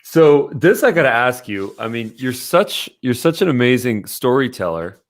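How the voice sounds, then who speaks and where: A man's voice: medium pitch, expressive, normal speed. A man hosting a podcast, asking questions in an enthusiastic, complimentary, casual way. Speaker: podcast host. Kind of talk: interview questions, casual chat.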